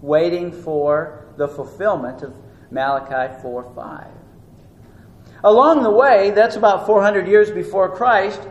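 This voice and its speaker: A man preaching a sermon. He teaches earnestly, rising and slowing down for emphasis. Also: high-pitched, muffled recording. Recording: echoey room with faint noise.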